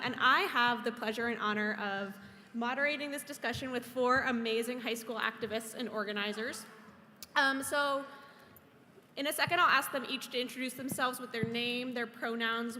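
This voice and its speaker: A woman's voice: fairly high pitch, fairly even intonation, normal speed, sharp tone. Young woman moderating in a hall. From Maine. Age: young adult. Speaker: forum moderator. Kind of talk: moderating a panel. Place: convention hall. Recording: hall reverb, faint noise.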